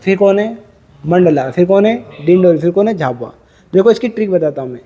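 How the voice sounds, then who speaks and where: A man's voice: sits high, animated, a little fast, dark tone. A man teaching a classroom lecture, quizzing students and drilling numbers through repetition.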